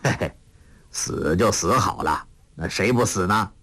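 A man voicing an eccentric old male beggar and martial arts master who talks gruffly and teasingly. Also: sits low, very animated, a bit bright, no echo, pitched below the performer's own voice, heavily acted. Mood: amused. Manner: gruff, teasing, drawn-out exclamations.

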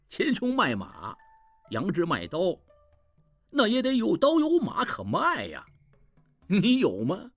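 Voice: mid-range voice, expressive, a little slow, long pauses, fairly bright tone, breathy edge, no room sound, faint music behind. A performer voicing a mocking old male beggar who jeers with a laugh. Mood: jeering. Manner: jeering, laughing.

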